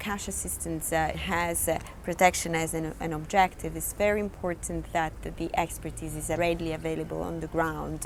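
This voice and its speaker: A woman aid worker explaining a programme in interview style, measured and hesitant. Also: deep voice, level tone. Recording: clearly noisy background.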